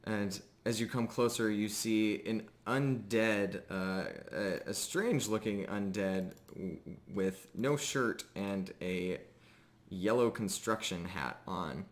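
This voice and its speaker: A man narrating a tabletop fantasy game as game master, improvising descriptions in a measured way with pauses. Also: fairly low pitch.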